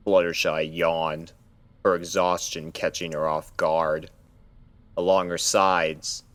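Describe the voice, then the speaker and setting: Very deep, gravelly male horror narrator. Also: fairly bright tone, dry recording. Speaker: narrator of fan fiction readings. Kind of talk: scripted narration of a horror story.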